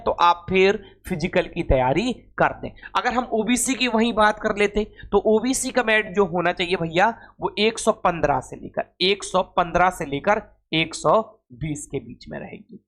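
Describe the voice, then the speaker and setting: A man's voice: high-pitched, fairly bright tone. A man teaching an informal exam-prep class, repeating phrases and asking questions that he then answers himself.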